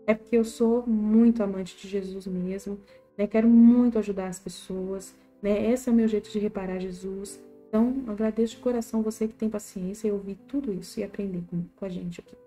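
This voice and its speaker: A woman with a Brazilian Portuguese accent giving an informal religious lesson, lively and repetitive, acting out small scenes as she explains. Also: medium pitch, brisk, soft background music. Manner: animated, repetitive, acts out little quoted scenes. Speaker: Catholic study group teacher.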